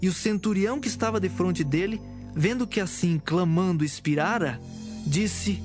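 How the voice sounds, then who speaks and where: Male Bible narrator, slightly high voice, reading a script over background music. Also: normal speed. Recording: music behind the voice.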